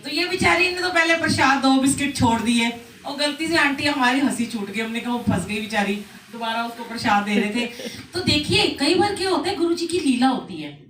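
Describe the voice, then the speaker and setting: A middle-aged woman leading a devotional satsang, telling lively anecdotes and acting out what people said. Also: sits high, fairly quick, a little hiss or hum. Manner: lively anecdotal storytelling with acted quotes. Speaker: satsang speaker. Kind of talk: devotional storytelling talk. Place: a home satsang gathering indoors. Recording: echoey room from far off.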